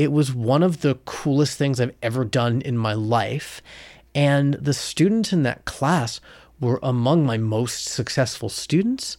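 In an American accent, an ordinary speaking voice goes at a fairly slow pace with ordinary pitch variation, recorded very cleanly against a silent background. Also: man, medium pitch for a man. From Arizona, US. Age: 30s. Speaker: meditation teacher and clinical psychologist. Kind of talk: casual interview conversation. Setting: studio.

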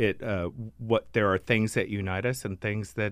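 A man's fairly low, a normal speaking voice with an American accent, at a moderate pace, on a very clean recording with a silent background. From Texas, San Antonio. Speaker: political party fundraiser. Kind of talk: interview.

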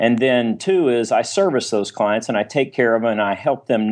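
A man's medium-pitched voice with a Texan accent. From Texas, Dallas suburbs. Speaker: sports agent. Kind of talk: interview.

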